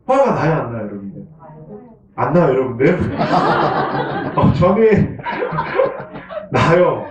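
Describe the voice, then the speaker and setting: A man preaches in a church, his voice bouncing around a reverberant room and picked up from a distance. His pitch swings widely as he asks the congregation one question after another. He chuckles often. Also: big pitch swings, slow, very noisy. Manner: conversational, keeps asking the congregation questions. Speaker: pastor. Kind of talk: sermon. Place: church sanctuary. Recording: echoey room, from a distant mic, dull sound.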